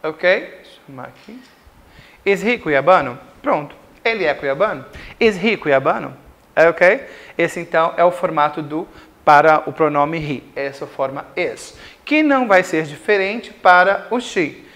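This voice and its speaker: A Brazilian man teaching English grammar in a recorded school lesson, explaining slowly with repeated examples and checks like "certo?". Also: fairly high pitch, lively intonation, a bit bright. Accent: Brazilian Portuguese.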